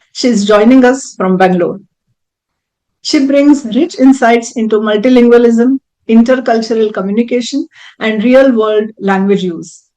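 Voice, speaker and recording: A woman's voice: on the high side, dark tone, rough recording. A woman hosting an interview show, reading introductions and putting questions to a guest. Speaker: host.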